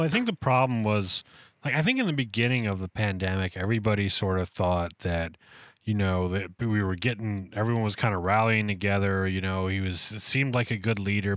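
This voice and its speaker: Guy hosting a podcast, lowish voice, easygoing casual chat, dry sound no room. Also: fairly bright tone, no room sound. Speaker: podcast host.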